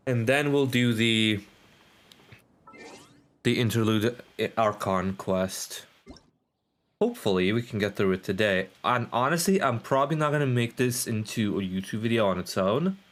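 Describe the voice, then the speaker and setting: A man's voice: lowish voice, expressive, unhurried, pauses often. A man doing casual live gameplay commentary, rambling, repeating himself and swearing offhand. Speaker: game livestreamer.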